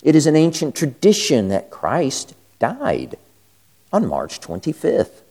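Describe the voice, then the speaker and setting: A man speaking as a Catholic priest, reading scripture and preaching a homily in a solemn, measured way with pauses. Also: a little high, huge pitch swings, a little mellow.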